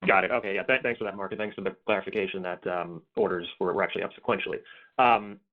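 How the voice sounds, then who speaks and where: A man's voice: sits low, fairly even intonation, very fast. A male financial analyst asking wordy, hedging questions on an earnings call, often restarting his phrasing. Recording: thin phone-line audio.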